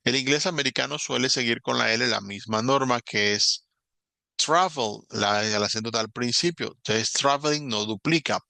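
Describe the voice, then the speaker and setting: A man's voice: lowish voice, gravelly, pushed and bright, no room sound. A man teaching English grammar in a recorded lesson, explaining patiently, repeating example words and checking in with his students.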